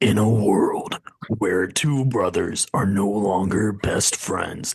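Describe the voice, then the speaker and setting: In a put-on character voice, a man talks at a very slow pace with a raspy, fairly low pitch. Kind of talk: dramatic trailer narration.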